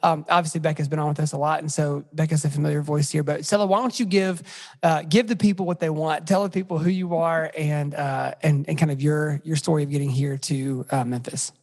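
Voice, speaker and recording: A man's voice: on the high side, fairly even intonation, brisk, a little mellow, long reverb tail. A man hosting a podcast, talking casually with lots of fillers and restarts. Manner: friendly, rambling with many fillers. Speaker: podcast host.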